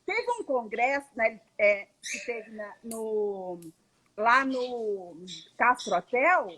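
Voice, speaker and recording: A woman from Goiânia in Brazil, hosting a live video interview and chatting warmly while telling stories. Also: fairly high pitch, animated, slow pace, husky, poor audio. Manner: chatty, storytelling, laughs easily. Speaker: host.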